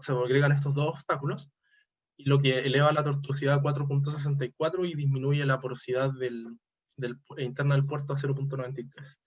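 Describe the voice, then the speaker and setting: Halting man presenting, dull lo-fi sound. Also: medium pitch. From Chile. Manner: halting, self-correcting, hesitant delivery. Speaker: academic presenter. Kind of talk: technical conference presentation over slides.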